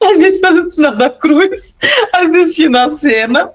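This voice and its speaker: A young woman with a Brazilian Portuguese accent, co-hosting a podcast and telling a story in a casual, animated way with frequent laughter. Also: high-pitched, moderate pace, soft background music. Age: young adult. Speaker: podcast co-host.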